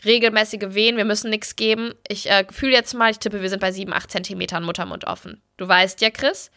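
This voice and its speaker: A woman's voice: mid-range voice, steady tone, fast talker, bright, forceful tone. A young woman telling her own story in casual chat, candid and blunt, swearing freely. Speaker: podcast host.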